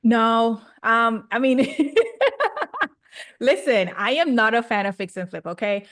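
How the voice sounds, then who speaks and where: A woman's voice: fairly high pitch, slow. A young woman from Jamaica with a Jamaican accent, a chatty podcast guest who laughs easily. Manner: chatty, laughs often, excitable. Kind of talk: casual interview.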